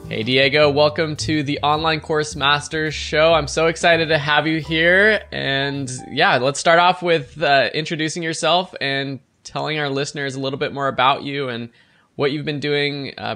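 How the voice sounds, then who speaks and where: A man's voice: medium pitch, fairly even intonation, moderate pace, bright, forceful tone, faint music behind. A man hosting a podcast, giving a polished scripted intro and then asking interview questions in an upbeat way. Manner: upbeat, polished announcer delivery. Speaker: podcast host.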